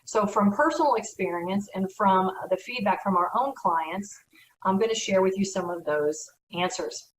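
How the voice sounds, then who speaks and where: A woman's voice: medium pitch, normal speed. A woman, a real estate broker, giving earnest, conversational advice in an educational talk. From United States. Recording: echoey room, from far off.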